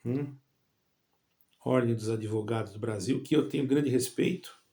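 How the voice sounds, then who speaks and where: A middle-aged man who grew up between Brazil and Portugal, hosting his own evangelical channel and speaking directly to fellow believers in a halting way, with many pauses and restarts. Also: mid-range voice, mellow.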